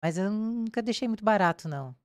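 A woman's voice: mid-range voice, fairly quick, no room sound, studio quality. A woman with a Brazilian accent, a crime reporter telling her story in a casual interview and acting out what people said. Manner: animated, acts out quoted dialogue.

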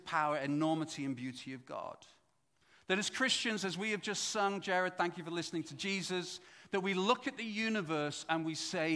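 Preacher guy, middle-aged, bright ringing voice, echoey church hall. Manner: animated, swings from loud emphatic to low asides. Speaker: pastor. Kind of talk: sermon.

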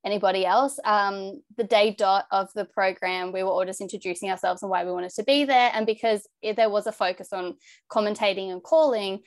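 A young Australian woman with a high, youthful-sounding voice, talking earnestly and chattily as a podcast guest, with plenty of "like" and "um". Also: fairly even intonation, a little fast, no echo. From New South Wales, Australia. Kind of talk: casual interview chat.

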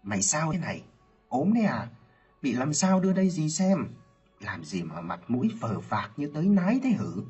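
A man voicing a sharp-tongued, doting elderly village matriarch who scolds and wails theatrically. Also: big pitch swings, moderate pace, husky, exaggerated voice. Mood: alarmed. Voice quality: shrill wailing scolding. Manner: theatrical lamenting cries. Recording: lo-fi with faint music.

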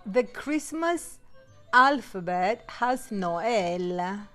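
A woman hosting a casual holiday podcast in English, which is not her first language, talking in a relaxed way with fillers and small laughs. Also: mid-range voice, drawn-out words. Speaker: podcast host. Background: soft Christmas music.

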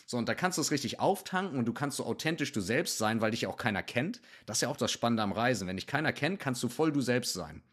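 Easygoing male meditation teacher, reflective guest on a podcast, middle-pitched voice. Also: animated, quick pace, hardly any pauses, fairly bright tone, breathy edge. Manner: reflective, loose, sprinkles English slang and "ne?". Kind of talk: casual podcast talk.

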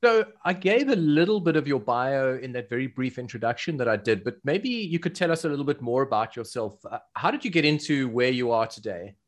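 A man with a South African accent co-hosts a podcast. His voice sits at a medium pitch, and he talks conversationally as he introduces and questions. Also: expressive, a little fast, hardly any pauses. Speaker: podcast co-host.

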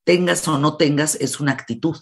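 A woman's voice: low-pitched, fairly quick. A woman with a Mexican accent hosting a conversational radio interview in a colloquial, effusive and affectionate way. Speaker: radio show host.

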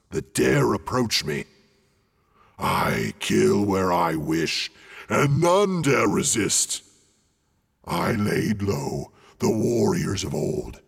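A man voicing a huge, ancient, boastful male dragon, slow, booming and gloating. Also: vocal fry, a bit bright, slightly rough, long reverb tail, full character voice.

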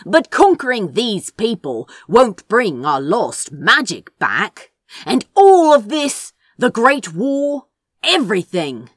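A woman's voice: mid-range voice, a bit bright, dry recording, pitched above the performer's own voice, exaggerated voice. Woman as an insolent, sardonic young-rebel sorcerer. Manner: drawling, flippant, dry sarcasm. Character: insolent, sardonic male sorcerer, defiant and weary.

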